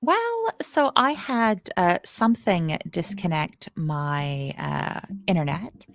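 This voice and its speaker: A woman's voice: fairly low pitch, big pitch swings, takes it slowly, creaky, no echo. A woman from the UK, teaching a casual coding lesson in a playful, chatty, self-deprecating way.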